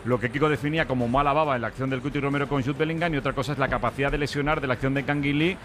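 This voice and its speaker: Guy hosting a sports radio show, talks quick, keeps cutting in to calm folks down. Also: medium pitch, soft background music. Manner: steers the talk, cuts in to hold back pundits. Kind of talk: fast on-air football debate.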